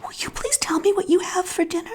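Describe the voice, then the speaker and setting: Lady doing a little kid elephant for a storybook, pitched way up, super polite n eager, kinda breathless. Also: steady tone, fast, darkish tone, whispered. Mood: earnest, polite. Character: polite, naive, insatiably curious young elephant child.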